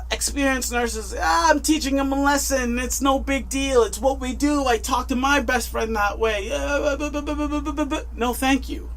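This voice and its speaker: A man talks with hardly any pauses. Music plays in the background. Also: moderate pace. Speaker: nurse and nursing news vlogger. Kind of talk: monologue vlog commentary. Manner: loud; halting with many fillers.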